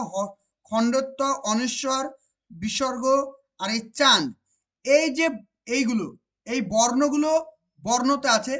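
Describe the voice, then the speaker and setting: A woman with a West Bengal accent teaching an exam-prep grammar lesson. She repeats each point and keeps asking whether it is clear. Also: a little high, fairly bright tone. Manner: repeats points and asks rhetorical check questions; slows down to stress key phrases.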